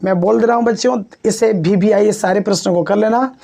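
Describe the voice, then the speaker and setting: A man's voice: high voice, brisk, gravelly, warm tone. A man teaching an exam-prep English lesson, repeating points and coaxing his students. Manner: coaxing, repetitive, addresses students as "babu". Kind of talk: exam-prep video lecture.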